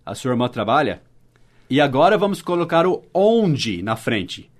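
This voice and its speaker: Brazilian guy teaching a mini podcast lesson, drags out the sample sentences slow, normal voice. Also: medium pitch, big pitch swings. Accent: Brazilian Portuguese. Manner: slow, exaggerated model phrases in English between quick explanations. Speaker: English teacher.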